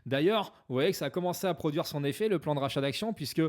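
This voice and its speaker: A man who speaks French explains stocks to his YouTube viewers in a fast, chatty way, often pausing with "euh" and poking fun at his own English accent. His voice is a little high and a little mellow, and his intonation is lively.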